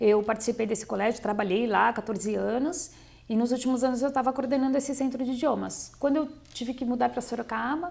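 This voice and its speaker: Talking at a very fast pace, a woman with a fairly high voice shows vocal fry and ordinary pitch variation. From Brazil, São Paulo city. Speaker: English teacher and novelist. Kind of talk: TV interview.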